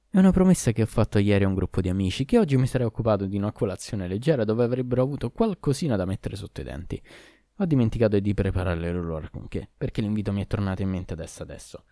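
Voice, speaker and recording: A man's voice: on the low side, expressive, fast talker, warm tone, dry recording, studio quality. A man voicing a fussy, long-winded old barber who talks pompously and pedantically in a storybook reading. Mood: effusive.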